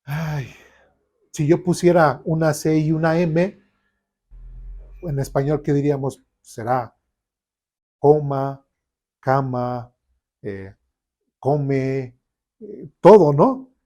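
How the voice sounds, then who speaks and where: A man's voice: a little high, slow pace, pauses often, warm tone, husky. A man teaching an informal Bible class, talking conversationally and often checking in with the class. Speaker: Sunday school teacher. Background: class recorded in a church room.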